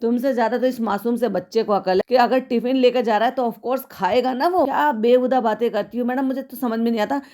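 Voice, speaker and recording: A woman's voice: on the high side, brisk, hardly any pauses, warm tone. A woman giving mocking reaction commentary as a vlogger, with sarcastic, teasing asides.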